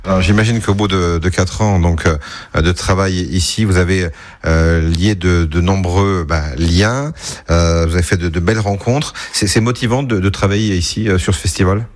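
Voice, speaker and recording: A man hosting a radio interview, measured and hesitant with fillers. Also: low voice. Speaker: radio host.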